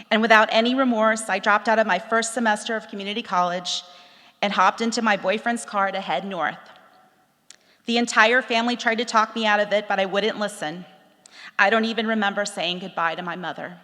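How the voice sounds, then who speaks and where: A middle-aged woman from Texas reading a personal essay aloud, in a reflective, measured storytelling manner. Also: mid-range voice, pushed and bright. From Texas, USA. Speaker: speaker telling a personal story. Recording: long hall reverb.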